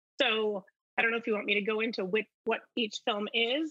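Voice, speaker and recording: A woman's normal speaking voice, moderate in pace, with fairly even intonation. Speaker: documentary filmmaker. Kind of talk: interview chat.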